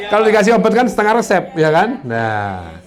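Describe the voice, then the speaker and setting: A man giving a joking, lively motivational training talk to insurance sellers, acting out client dialogues. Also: sits high, a little fast, a faint crowd.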